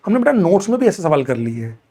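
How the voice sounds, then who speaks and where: A man's voice: high voice, very animated, fast talker, dark tone. A man teaching chemistry in a live online class, answering student doubts from the chat and scolding and teasing them as he goes.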